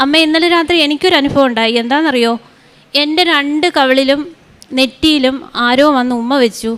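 Her loudness very even, a woman speaks at a high pitch with ordinary pitch variation. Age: 40s. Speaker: church testimony giver, mother. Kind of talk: testimony.

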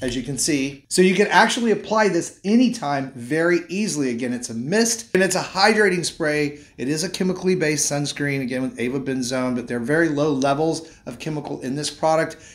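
Lively intonation carries this fairly quick delivery. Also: man. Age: 50s. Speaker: skincare YouTuber. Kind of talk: product review tutorial. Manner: animated.

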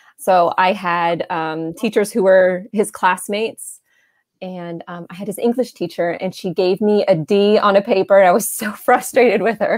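A woman with an American accent speaks in an ordinary speaking voice at a medium pitch, her intonation fairly even against a quiet background. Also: moderate pace. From Maine, US. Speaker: opera singer and former beauty queen; guest. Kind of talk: casual chat. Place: home room. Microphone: earbuds.

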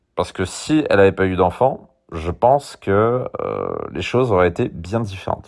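Very slow man's voice on a very clean recording with a silent background. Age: 30s. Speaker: dating coach and video blogger. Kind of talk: opinion monologue. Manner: hesitant, many fillers and repetitions.

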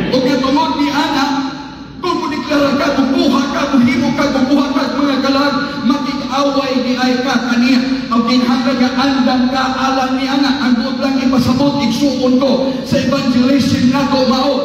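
In a room with strong echo and light background noise, a man speaks at an extremely high pitch in a monotone, flat intonation at a moderate pace. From Philippines. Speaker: preacher. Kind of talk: sermon. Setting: church. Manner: call-and-response. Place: hall.

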